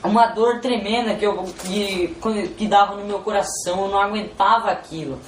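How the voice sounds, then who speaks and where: Halting man giving a religious testimony. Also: high-pitched, a little hiss or hum. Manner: halting and repetitive, constantly addressing "Senhor". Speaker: testimony giver. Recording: roomy with faint background ambience.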